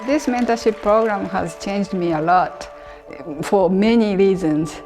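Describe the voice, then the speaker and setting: A woman's voice: mid-range voice, unhurried, over music. Sincere woman mentee. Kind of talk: interview testimonial.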